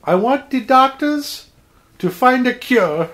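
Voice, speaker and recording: A man voicing a sweet, dying little boy who speaks slowly and pleadingly in a comic story. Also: extremely high pitch, expressive, a bit bright, voice pushed up, heavily acted. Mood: feeble, grateful. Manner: slow, drawn-out, pleading. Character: dying little boy, sweet and feeble, slow foreign-sounding voice.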